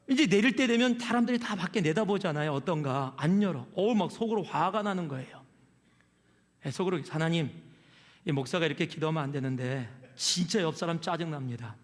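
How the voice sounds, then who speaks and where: Man, pastor, sermon, high voice, long church-hall reverb. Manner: conversational storytelling with questions to the congregation. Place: church sanctuary.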